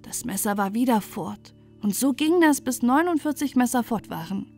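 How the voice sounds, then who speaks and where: A woman's voice: fairly high pitch, animated, moderate pace, darkish tone. A woman narrating a scripted bedtime fairy tale as a storyteller. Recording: music bed under the voice.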